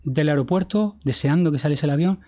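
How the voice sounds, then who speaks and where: Man, podcast guest, fairly high mellow voice, lively storyteller who swears casually. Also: brisk. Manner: vivid retelling, acts out quoted dialogue, swears casually.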